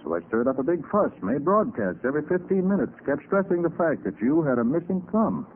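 An actor playing a confident, brisk master detective with assured authority in a 1940s radio crime drama. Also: male voice, fairly high pitch, sing-song, narrow, tinny audio. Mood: assured, explaining. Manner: assured, explanatory, crisp authority. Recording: scratchy, thin 1940s radio recording.

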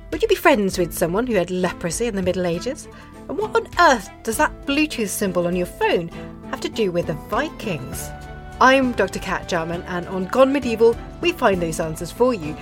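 A woman hosting a podcast, reading a promo full of playful, teasing questions. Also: mid-range voice.

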